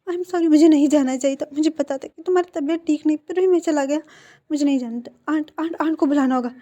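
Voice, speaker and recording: A panicked teenage boy, voiced by a woman storyteller, sobs and stumbles over his words. He pleads again and again, pitched high and mellow rather than bright. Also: fairly quick. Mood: frantic. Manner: stammering, pleading, repeats words. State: crying. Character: anxious teenage boy, tearful and frantic.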